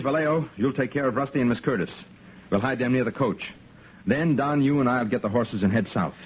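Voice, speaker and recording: An actor playing a brave cavalry lieutenant in a 1950s radio drama, giving brisk orders in a commanding way. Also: male voice, medium pitch, slight background noise, close to an everyday voice. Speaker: narrator and lead. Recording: dull old radio broadcast.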